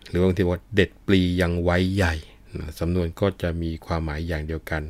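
A man's voice: sits low, fairly even intonation, brisk, a little mellow, dry recording. A man telling a classic tale, explaining old sayings in a chatty, leisurely way to his listeners. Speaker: storyteller. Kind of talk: storytelling with idiom explanations.

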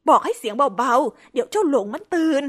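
A woman's voice: sits high, very animated, a little fast. A woman playing a bossy, scolding mother. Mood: gruff. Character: gruff, scolding rural mother. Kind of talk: children's storytelling drama. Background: background music.

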